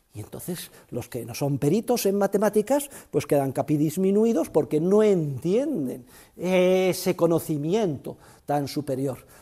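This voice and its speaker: Speaking at a fairly slow pace, a man uses a high pitch, a dark, mellow tone, and very wide pitch swings. The recording is very clean, with a silent background. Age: 60s. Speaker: economics professor. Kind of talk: lecture. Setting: classroom with students. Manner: animated.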